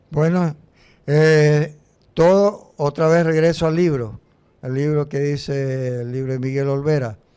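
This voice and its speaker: With a dark, mellow tone and fairly high pitch, a man speaks fairly slowly and with fairly even intonation. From Ecuador, coastal Guayaquil area. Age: 80s+. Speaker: retired tennis champion. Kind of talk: interview. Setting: studio. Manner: halting.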